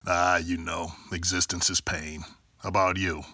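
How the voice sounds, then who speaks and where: A gloomy teddy bear possessed by something demonic, acted by a man. The voice is low and cutting, with a morose deadpan delivery for a horror-comedy audio skit. It is recorded very dry. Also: moderate pace, no room sound, exaggerated voice. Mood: gloomy, resigned.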